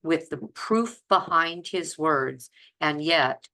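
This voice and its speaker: A woman's voice: sits low, slow pace, bright, forceful tone. A woman speaking informally and earnestly as a health vlogger, giving emphatic commentary. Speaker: health vlogger advocating plant-based eating. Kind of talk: informal commentary on listed quotes.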